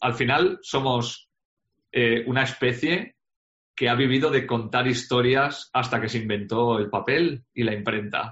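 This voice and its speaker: Fairly slow and very even in loudness, a man talks in an ordinary speaking voice. His pitch is medium with ordinary variation. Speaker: communication consultant. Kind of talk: interview.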